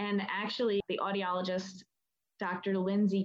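A woman's unremarkable speaking voice at a medium pitch and moderate pace. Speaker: audiologist podcast host. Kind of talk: interview.

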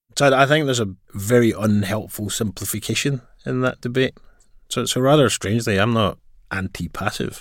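A man with a Glaswegian accent talks at a fairly quick pace and a medium pitch with ordinary pitch variation. The recording is very clean, with a silent background. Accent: Glaswegian Scottish. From Glasgow, Scotland. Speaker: investment partner. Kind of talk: podcast interview. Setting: studio.

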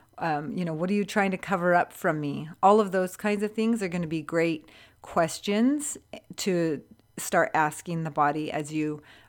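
An unremarkable speaking voice from a woman, fairly low in pitch with ordinary pitch variation, at a moderate pace, in a very clean recording with a silent background. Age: 40s. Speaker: health and hormone coach podcast host. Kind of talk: solo podcast monologue. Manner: casual with frequent fillers.

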